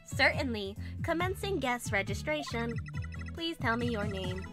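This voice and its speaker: Robot guide: a woman doing a cheerful little female robot, slightly high voice, polite and formal, over game music. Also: expressive, a little slow. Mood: formal chipper. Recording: game music playing behind.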